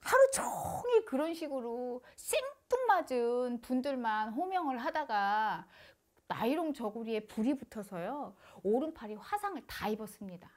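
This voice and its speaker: A woman shaman telling a funny story to camera in a lively, dramatic way, indoors. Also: fairly high pitch, unhurried.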